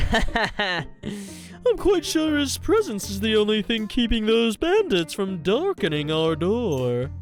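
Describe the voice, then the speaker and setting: With clear music in the background, a man does a put-on character voice, high-pitched with very wide pitch swings, at a fairly slow pace. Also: hardly any pauses. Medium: game stream. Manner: formal, genteel.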